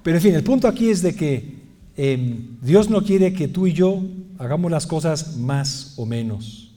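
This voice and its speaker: A middle-aged man preaching a lively sermon, moving from quiet asides to loud exclamations, joking with the audience and clearing his throat often. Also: fairly high pitch, measured pace.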